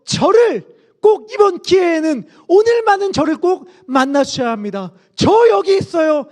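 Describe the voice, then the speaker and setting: A man voicing a desperate blind male beggar who shouts and pleads to be noticed. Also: very high voice, animated, moderate pace, voice pushed up. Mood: desperate pleading.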